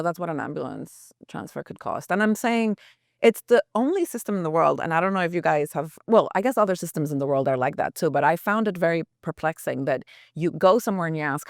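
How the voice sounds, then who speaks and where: A woman's voice: sits low, vocal fry, no echo, studio quality. A woman journalist as a podcast guest, talking earnestly and thinking aloud with restarts. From United States. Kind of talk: reflective podcast interview.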